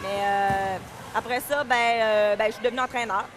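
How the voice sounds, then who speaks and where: This guest, a diving club coach and vice-president in her thirties from Quebec, Canada, has a Québécois French accent and a fairly high voice with fairly even intonation and a moderate pace. She speaks casually but hesitantly, with many fillers and restarts, while a crowd is heard in the background of the indoor pool area.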